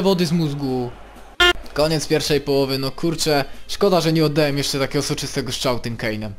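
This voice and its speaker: A man giving play-by-play commentary on his own video game, turning excitable and shouting player names at big moments. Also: fairly high pitch. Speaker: gaming channel host.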